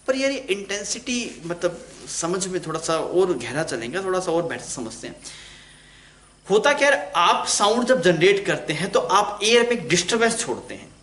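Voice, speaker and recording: A man's voice: high voice, a bit bright. A man teaching physics in an online lecture, chatty, asking the class questions and answering them himself. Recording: echoey room.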